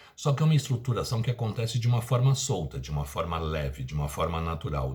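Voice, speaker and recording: Amid noticeable background noise, a man talks at a fairly quick pace with very wide pitch swings. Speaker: tarot reader. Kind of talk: tarot reading to camera. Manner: fast.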